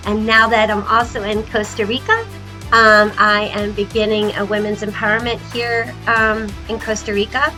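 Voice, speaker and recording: Bright-voiced, enthusiastic woman guest. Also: medium pitch, little pitch movement, moderate pace, faint music behind, low-quality recording. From Maryland, USA. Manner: enthusiastic, chatty with fillers. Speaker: podcast guest. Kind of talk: casual interview chat. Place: video call from Costa Rica. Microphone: video call.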